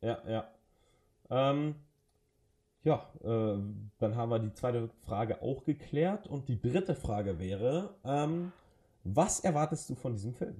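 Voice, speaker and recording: A man with a medium-pitched, dark, mellow, somewhat breathy voice uses lively intonation while speaking very slowly with long, frequent pauses. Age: 20s. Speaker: podcast co-host, apprentice. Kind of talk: casual chat. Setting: indoor home studio. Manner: halting, repeats words.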